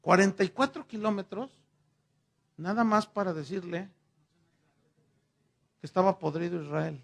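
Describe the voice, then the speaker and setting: A middle-aged Mexican pastor preaches in a relaxed, conversational style, weaving personal stories into his sermon and voicing both sides of each exchange. His voice is high for a man, with a gravelly rasp, and he speaks at a measured pace with a Mexican Spanish accent.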